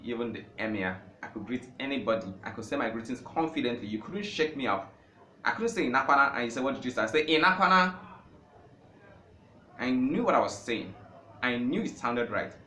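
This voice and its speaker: Nigerian man teaching, bright and emphatic. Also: mid-range voice. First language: Igbo. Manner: emphatic, repeats phrases for stress, builds to impassioned peaks. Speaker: language teacher. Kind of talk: informal language-learning talk. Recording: echoey room with faint background noise.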